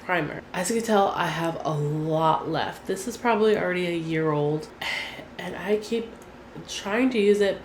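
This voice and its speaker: A young woman with a fairly low, nasal voice from a recent cold chats easily about her things, her talk full of "like". She is recorded in an echoey room with a faint hum behind her. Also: moderate pace. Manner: chatty, frequent "like" fillers. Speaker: beauty vlogger. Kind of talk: casual chat.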